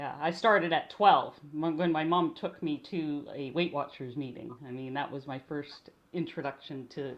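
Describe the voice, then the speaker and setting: A woman with very deep, low pitch, big swings in loudness, a moderate pace, and noticeable background noise. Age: 60s. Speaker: carnivore diet guest sharing her story. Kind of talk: casual chat, livestream interview. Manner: halting, many fillers.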